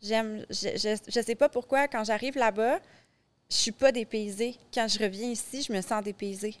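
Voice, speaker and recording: A woman's voice: fairly high pitch, fairly even intonation, moderate pace. A woman with a Québécois French accent, a podcast guest chatting casually and explaining things at length. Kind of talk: casual interview chat.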